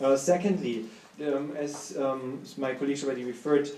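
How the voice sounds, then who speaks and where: Speaking at a moderate pace with a German accent, a man with a fairly high pitch is heard amid audible room echo and noticeable background noise. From Germany. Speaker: political science professor. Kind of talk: panel presentation. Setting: university panel with audience. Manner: hesitant, many fillers.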